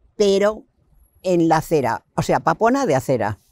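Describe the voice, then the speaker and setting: Her voice sits at a medium pitch with a dark, mellow tone and very wide pitch swings. The woman speaks at a very slow pace in a dry, close sound with no echo. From Spain, León province (childhood partly in Bilbao). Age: 70s. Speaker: Holy Week brotherhood member. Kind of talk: interview.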